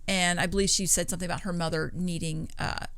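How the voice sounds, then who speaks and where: A woman's voice: on the low side, little pitch movement, fast, a bit bright. A woman co-hosting a podcast, casually retelling paranormal stories in a conversational, chuckle-prone way. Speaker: podcast co-host.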